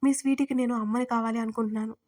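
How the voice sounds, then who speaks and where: A tearful, earnest young woman pleading her case, as a woman reads her part in an audio story. The voice sits fairly high, and its pitch stays flat and even. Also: rapid-fire, lightly acted. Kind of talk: audiobook character reading.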